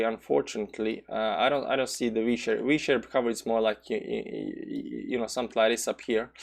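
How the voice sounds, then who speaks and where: Rambling Balkan-accented man streaming crypto charts. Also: medium pitch. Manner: rambling, many fillers and restarts; reads chat aloud and answers. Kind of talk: casual live chart commentary.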